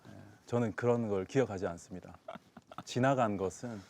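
A man in his late thirties, a dating show contestant, chatting and giving remarks to camera in a polite, formal, halting way. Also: on the low side, darkish tone. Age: late 30s. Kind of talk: casual chat and confessional remarks to camera.

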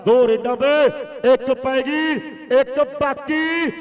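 A man's voice: very high voice, slow, far from the mic. A man doing frantic rural sports commentary, announcing kabaddi prizes and repeating them insistently. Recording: long echoing public-address reverb.

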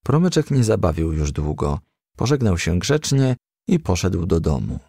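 A man narrates a children's story in a low, creaky voice. His reading is expressive, with pitch that moves widely, and the sound is dry and close. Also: normal speed, dry recording. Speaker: audiobook reader.

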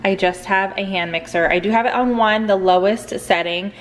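A woman's voice: mid-range voice, fairly even intonation, normal speed, slight background noise. Woman in her thirties, home kitchen cook-along, chatty, upbeat, step-by-step, close camera mic. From United States. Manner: chatty and upbeat, walks viewers through each step. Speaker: cooking channel host. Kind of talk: casual cook-along vlog. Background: dishwasher running in the background.

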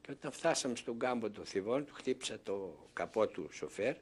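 A man's voice: lowish voice, animated, husky. An older man from Thessaloniki giving an oral history testimony as an interviewee, telling his story and acting out remembered conversations. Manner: storytelling that acts out remembered dialogue.

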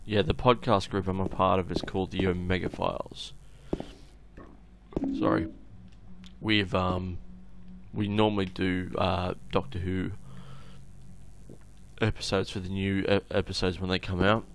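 A man with an Australian accent giving casual, halting gameplay commentary that trails off into asides, on a noisy home recording. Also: sits low, level tone, vocal fry. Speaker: gamer recording a let's play.

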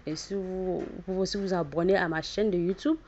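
Halting West African woman, dull lo-fi sound. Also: fairly low pitch, fairly even intonation, darkish tone, a little hiss or hum. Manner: halting, repetitive, with frequent false starts. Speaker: YouTube channel host. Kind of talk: casual address to channel viewers. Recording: dull lo-fi voice recording.

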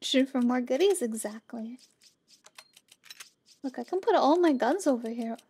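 A woman's voice: sits high, expressive, unhurried, darkish tone, husky. A woman doing casual, playful live gameplay commentary, chatting with her viewers as she plays. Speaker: game streamer.

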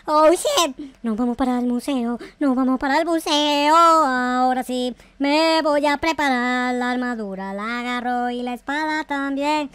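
A gaming host with a high cartoonish voice, doing playful, exclamatory Minecraft roleplay with swearing and bits of English. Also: unhurried, few pauses, fairly bright tone, clean tone, no room sound. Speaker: YouTube gaming host playing a roleplay character. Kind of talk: improvised Minecraft roleplay commentary.

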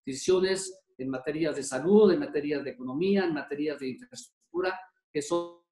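A man's voice: a little high, normal speed. Guy giving a webinar talk, lots of "este", raised-ish voice, echoey room. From Mexico. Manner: hesitant, many fillers. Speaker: government official presenting. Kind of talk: formal presentation.

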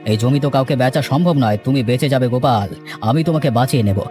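A man playing a stern, righteous village gentleman in a cartoon moral story, speaking with reassuring authority. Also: mid-range voice, quick pace, soft background music, close to an everyday voice. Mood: concerned, reassuring. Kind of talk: Bengali moral cartoon dubbing.

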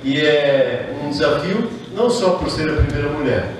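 A man's voice: on the high side, expressive, normal speed, recorded from a distance, a crowd in the background. Middle-aged man speaking in an echoey hall. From southern Brazil. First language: German. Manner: earnest, greets dignitaries one by one, with fillers. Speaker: mayor. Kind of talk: formal ceremony speech. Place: large reverberant hall, indoors. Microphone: podium microphone heard from a distance.

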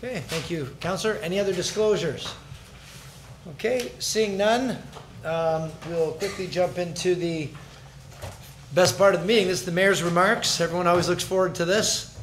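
A middle-aged man chairing a council meeting as mayor, brisk and chatty with joking asides, speaking into a desk microphone in a large chamber. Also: sits high, noisy background. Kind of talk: formal council meeting announcements.

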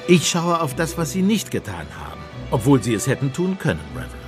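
An actor playing a shrewd, compassionate priest detective in a radio play, speaking in a measured, persuasive pastoral manner. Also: male voice, fairly high pitch, sing-song, music in the background. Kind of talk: German radio play acting.

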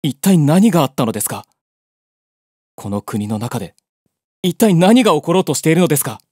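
A man's voice: a little high, sing-song, brisk, mellow, breathy edge, no echo, clean studio sound, voice pushed up. A man playing a determined white-wolf beastman in an audio drama, formal and earnest. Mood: urgent, resolute.

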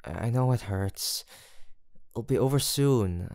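A man playing a gentle, protective caretaker in an intimate roleplay, speaking softly and reassuringly as he coaxes and soothes. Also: mid-range voice, animated, dry recording, clean studio sound. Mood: soothing, concerned. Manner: soft, reassuring, coaxing, unhurried. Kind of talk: intimate ASMR audio roleplay.

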